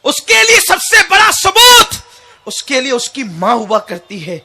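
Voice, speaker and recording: A male preacher giving an impassioned sermon, moving between hushed storytelling and shouted exhortation. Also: extremely high pitch, huge pitch swings.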